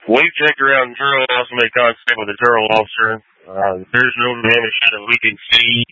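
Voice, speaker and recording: A man's voice: medium pitch, steady tone, brisk, sharp tone, dry recording, low-quality recording. A man reporting over a two-way radio in short, clipped codes while his transmission breaks up. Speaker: emergency radio unit. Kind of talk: radio dispatch traffic.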